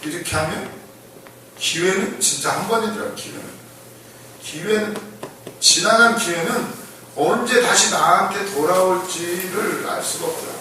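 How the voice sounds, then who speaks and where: Animated preacher in an echoey church. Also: male voice, high-pitched, normal speed, a little hiss or hum. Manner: animated, acts out the blind men's shouting, laughs often. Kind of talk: conversational sermon. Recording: echoey room, voice from far off the mic.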